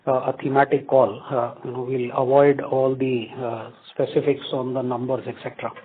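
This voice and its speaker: Halting Indian man on a phone line. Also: medium pitch, flat delivery. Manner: halting, filler-heavy, repetitive. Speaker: company executive. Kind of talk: earnings call remarks and answers. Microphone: phone or conference line. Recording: tinny phone conference line.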